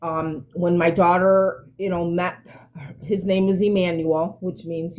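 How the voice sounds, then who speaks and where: A woman speaks at a fairly slow pace. Her pitch is fairly low and her intonation fairly even. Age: 60s. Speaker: guest discussing family conflict. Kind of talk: personal testimony. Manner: halting.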